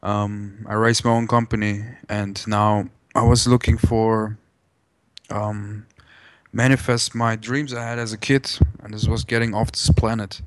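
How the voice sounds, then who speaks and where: A man's voice: fairly low pitch, little pitch movement, unhurried, no echo. A man who grew up in Germany, introducing himself to a room in a loose, friendly, conversational way. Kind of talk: casual spoken introduction.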